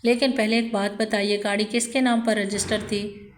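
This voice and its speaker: A woman voicing a calm, firm senior woman lawyer who speaks seriously over the phone. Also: medium pitch, slight background noise, lightly acted. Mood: grave. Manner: measured, serious, steady.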